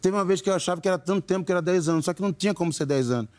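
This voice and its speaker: Animated Rio man telling rambling anecdotes. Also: sits high, very fast. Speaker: band member, guest. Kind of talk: casual storytelling in an interview.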